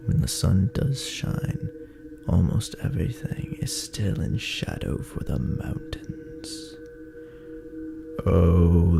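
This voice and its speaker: A man tells a dark tale with ominous, theatrical weight. His low voice is thick with gravelly creak and often sinks toward a breathy near-whisper. He moves slowly through the second-person horror narration.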